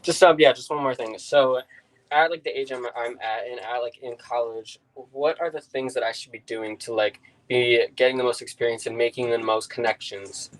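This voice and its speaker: A young man speaks over a video call in a mid-range voice. He asks his questions haltingly and fills the pauses with "um" and "like". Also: medium pitch, steady tone, poor audio. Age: young adult. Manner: hesitant, many fillers. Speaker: student caller.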